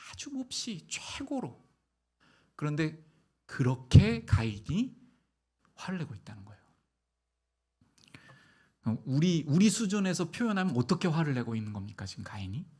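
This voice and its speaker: A middle-aged male pastor preaching a sermon, asking the congregation rhetorical questions and swinging between soft, quiet phrases and loud, emphatic ones. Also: fairly high pitch.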